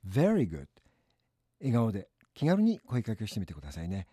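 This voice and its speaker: Japanese man teaching phrases, very lively pitch. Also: breathy edge, no echo, studio quality. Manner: slow, drawn-out model phrases for repeating. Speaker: English teacher for a city hall. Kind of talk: short English phrase lesson.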